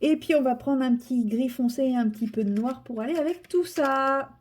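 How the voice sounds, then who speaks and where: A woman's voice: high-pitched, brisk, a little mellow, a little hiss or hum. Chatty French woman vlogging while coloring. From France. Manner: chatty, self-mocking, drifts into whispers. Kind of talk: casual vlog while coloring. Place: indoors at a desk. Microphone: camera on tripod.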